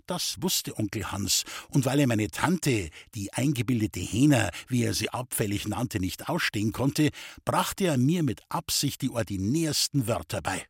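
A man from the Bavarian Forest reading aloud from his own childhood memoir in an even, unhurried storytelling manner. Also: mid-range voice, breathy edge, no echo, clean studio sound. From Bavarian Forest, Germany.

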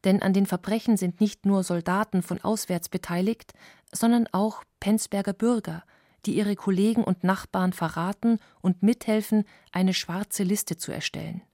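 A woman narrating a historical documentary in a measured, sober scripted voice. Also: mid-range voice, fairly even intonation, dark tone, no room sound, clean studio sound.

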